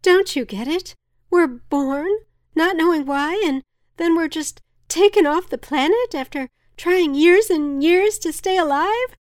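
A woman voicing a panicked villager who shouts shrilly to no one in particular. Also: very high-pitched, a little slow, dry recording, studio quality, pitched above the performer's own voice.

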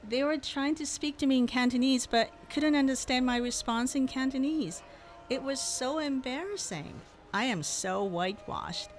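A woman's voice: high-pitched, moderate pace, soft background music, close to an everyday voice, poor audio. A young woman playing a chatty, upbeat student friend. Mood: candid. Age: young adult.

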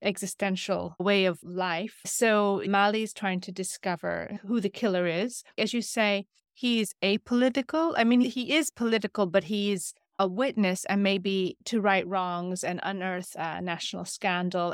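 A woman's voice: mid-range voice, fairly even intonation, unhurried, hardly any pauses, clean tone, no echo, studio quality. A woman interviewer voicing long, articulate, thoughtful reflections for her guest.

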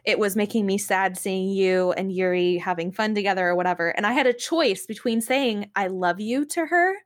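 A young woman chatting casually on a podcast in an animated, rambling way, full of "like" and exasperated storytelling. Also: mid-range voice, moderate pace. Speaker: podcast co-host. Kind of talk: casual chat about games and anime.

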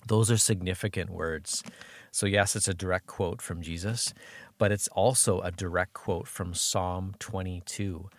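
A low-voiced man gives a reflective podcast Bible teaching and reads scripture aloud, lifting his voice for the quoted verses. The sound is close and dry, with no room around it. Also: fairly even intonation, unhurried, no room sound.

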